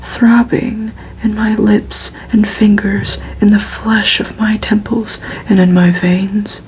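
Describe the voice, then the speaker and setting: A woman reading a gothic novel aloud for ASMR in a breathy, unvoiced whisper, hushed and deliberate, with pauses between phrases. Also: mid-range voice, level tone, slight background noise, poor audio. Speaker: ASMR reader.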